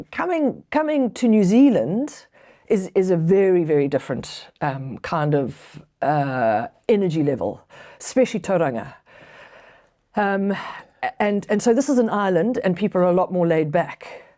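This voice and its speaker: On a very clean recording with a silent background, a woman with a South African accent speaks in a dark, mellow tone at a very even loudness, with very wide pitch swings and long, frequent pauses. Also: medium pitch for a woman. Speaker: business owner, podcast co-host. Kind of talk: casual chat. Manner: fast; animated.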